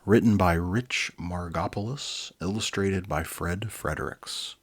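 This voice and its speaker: A man in his forties hosting a children's book reading, mixing expressive narration with casual, enthusiastic asides. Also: sits low, measured pace. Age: 40s.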